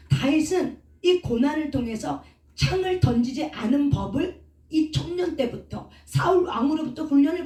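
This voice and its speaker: A woman preaches a sermon, firing rhetorical questions at her listeners and answering them herself. Her voice is fairly high and mellow. The recording is roomy, with the mic well away from her. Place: prayer house. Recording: echoey room from a distant mic.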